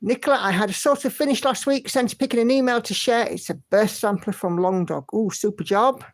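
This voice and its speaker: A woman's voice: fairly high pitch, a little fast. Chatty woman hosting a stream. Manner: chatty and encouraging, hums to herself. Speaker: livestream host. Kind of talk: casual chat reading viewer comments.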